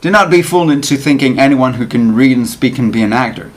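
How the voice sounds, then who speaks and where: A man with a medium-pitched voice reads an essay aloud in an expressive, performed way. His phrasing is deliberate and emphatic, giving the written words the lively shape of an actor's delivery. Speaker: actor reading an article aloud.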